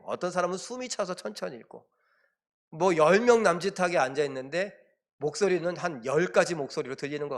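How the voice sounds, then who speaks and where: Man preaching in a candid, chatty way. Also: on the high side. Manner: candid, conversational preaching with rhetorical questions. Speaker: pastor. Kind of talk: sermon. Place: church sanctuary.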